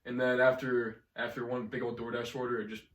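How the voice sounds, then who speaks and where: A man's voice: mid-range voice, little pitch movement, brisk. A young man co-hosting a podcast, chatting casually and joking with a friend, laughing often. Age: young adult. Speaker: podcast co-host. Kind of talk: casual chat. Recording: echoey room, mic at a distance.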